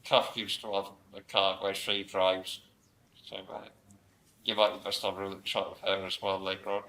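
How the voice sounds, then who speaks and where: A young man speaking on a panel, answering audience questions in a relaxed, joking way. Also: deep voice, normal speed. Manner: joking, self-mocking, relaxed. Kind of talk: casual Q&A answers. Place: meeting room with an audience.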